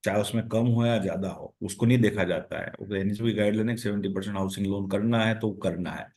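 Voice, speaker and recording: A man with a low-pitched Indian-accented voice speaks as a company executive on an earnings call. He explains processes point by point, often restating a phrase to drive it home. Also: steady tone, fast talker, a little mellow. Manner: repeats phrases for emphasis. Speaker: company executive answering questions.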